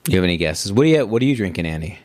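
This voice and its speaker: A man's voice: deep voice, expressive, rapid-fire, darkish tone, dry recording. A man co-hosting a casual podcast, teasing the others with crude banter. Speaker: podcast co-host. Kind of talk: casual chat.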